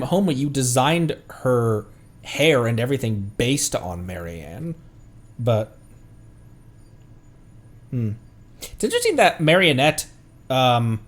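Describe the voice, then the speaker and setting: A man streaming a game with casual commentary, often stopping and restarting as he talks. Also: medium pitch.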